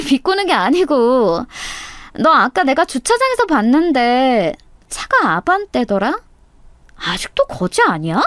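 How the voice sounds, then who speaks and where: A woman doing a snide rich girl classmate, taunting and mocking, voice swooping up high in a dry close recording. Spiteful and snobbish, she talks down to everyone. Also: a bit bright, no echo, heavily acted.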